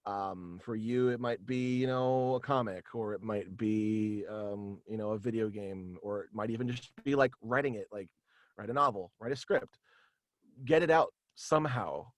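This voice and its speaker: A young man talking casually as an interview guest, in a halting, rambling way over a video call. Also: lowish voice, no echo. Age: young adult. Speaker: guest, voice actor and podcast creator. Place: small room at home, video call.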